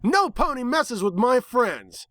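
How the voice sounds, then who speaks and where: A man's voice: very high-pitched, sing-song, takes it slowly, bright, forceful tone, dry recording, studio quality, voice pushed up, heavily acted. A man voicing a brash, brave young female pegasus pony in a story reading, hollering hot-headedly. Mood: defiant.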